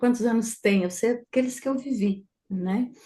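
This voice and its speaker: Somewhat breathy and dark, mellow in tone, the voice moves at a fairly slow pace with fairly even intonation. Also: woman. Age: 60s. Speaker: clinical psychologist. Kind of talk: interview. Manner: halting.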